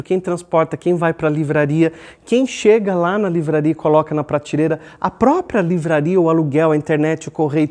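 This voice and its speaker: A man's voice: on the high side, darkish tone. A man with a Brazilian Portuguese accent, hosting his own self-help video and giving an emphatic motivational talk to camera, repeating key phrases and shifting his pace. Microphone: camera microphone.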